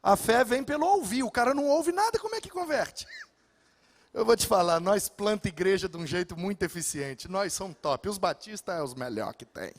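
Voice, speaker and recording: A man's voice: sits high, animated, brisk, in a large hall. A male pastor preaching a sermon, telling stories with humor and acting out the dialogue. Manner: storytelling, acts out dialogue with humor. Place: church sanctuary.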